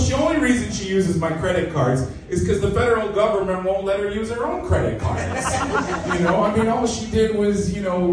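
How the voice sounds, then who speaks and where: A young man from Canada doing a self-mocking, deadpan stand-up set in a comedy club, with lots of "you know". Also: high-pitched. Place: comedy club stage, live audience. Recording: echoey club recording from a distance. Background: audience laughter.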